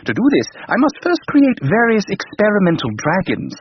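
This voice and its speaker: A man's voice: high voice, wildly swooping pitch, moderate pace, breathy edge, no room sound, voice pushed up, exaggerated voice. A man voicing an old, wise, pedantic male strategy computer that talks in a fussy, lecturing way, on a dull lo-fi radio recording. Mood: pompous.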